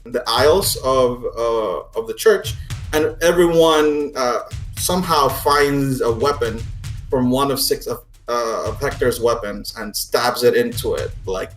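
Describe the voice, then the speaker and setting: A man running a tabletop game, narrating and explaining in a halting, conversational way as game master. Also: medium pitch, soft background music. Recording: echoey room.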